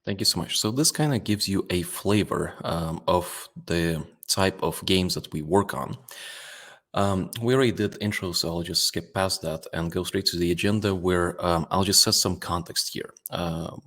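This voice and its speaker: A man in his thirties from Latvia with a Latvian-Russian accent, presenting company results to investors in a relaxed way with many fillers. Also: sits low. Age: 30s.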